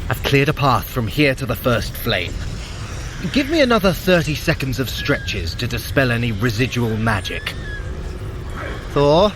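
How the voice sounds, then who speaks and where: An actor playing a sly, haughty trickster god of magic in an audio drama, teasing and theatrical. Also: male voice, medium pitch, big pitch swings, a little slow, background noise. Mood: focused, instructing. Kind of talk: audio drama fitness adventure acting.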